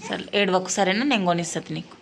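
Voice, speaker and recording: A woman's voice: on the low side, steady tone, gravelly, heavy background noise. A woman, a mother talking with her children at home, scolding and coaxing in turn. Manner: scolding then coaxing, quick. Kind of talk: casual family talk.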